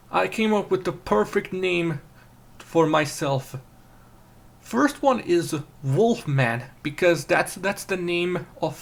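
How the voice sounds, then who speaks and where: A man from Serbia with a Serbian accent, hosting a casual chat, crude and excitable when he rants. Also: on the high side, creaky. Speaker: channel host.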